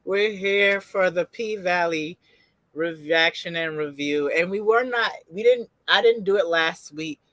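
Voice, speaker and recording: A young adult woman co-hosting a casual TV review show at home, chatty and quick to laugh, with loose slang. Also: fairly low pitch, a bit bright, no echo.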